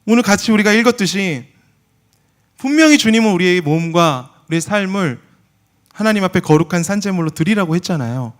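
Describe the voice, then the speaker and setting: A male missionary delivers a sermon in a large church sanctuary, his voice high and strikingly expressive. He tells his story animatedly and slips into acting out prayers and dialogue. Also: brisk. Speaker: missionary preacher. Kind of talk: sermon with personal testimony.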